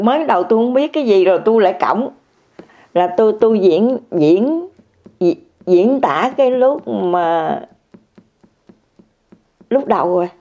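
A woman's voice: medium pitch, mellow. An older woman giving an emphatic personal testimony to viewers, repeating words over and over and speaking straight to her listeners. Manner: repetitive, emphatic, addresses listeners directly. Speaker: meditation practitioner sharing an experience. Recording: muffled lo-fi recording.

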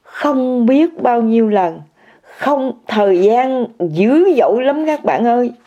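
A woman's voice: a little high, lively intonation, slow pace, warm tone. An older woman giving an emphatic personal testimony to viewers, repeating words over and over and speaking straight to her listeners. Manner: repetitive, emphatic, addresses listeners directly. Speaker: meditation practitioner sharing an experience. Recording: muffled lo-fi recording.

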